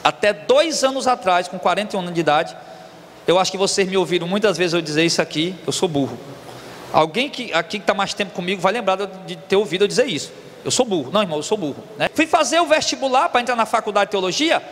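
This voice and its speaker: High-voiced Brazilian pastor preaching emphatically. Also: male voice, expressive, fast, a bit bright, in a large hall, slight background noise. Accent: Brazilian Portuguese. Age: 40s. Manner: emphatic preaching, repeats key words, addresses listeners as brothers. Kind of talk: sermon.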